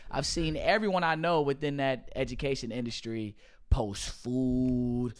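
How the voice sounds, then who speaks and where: A man's voice: medium pitch, steady tone, measured pace, clean tone. A man in his late twenties hosting a casual podcast chat, talking loosely with slang and frequent laughter. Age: 20s. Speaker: podcast host. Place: Houston area. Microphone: studio mic.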